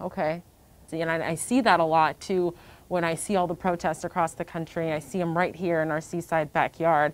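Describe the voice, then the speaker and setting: An unremarkable speaking voice at a fairly quick pace, fairly even in intonation, on a very clean recording with a silent background. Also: woman, fairly low pitch for a woman. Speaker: interviewer. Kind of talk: casual interview conversation.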